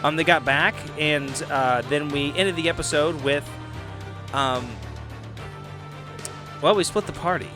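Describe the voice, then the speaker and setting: A man's voice: fairly high pitch, a little slow, long pauses, music in the background. A man who hosts and plays on a podcast, talking in a chummy, jokey, casual way. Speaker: podcast host and player.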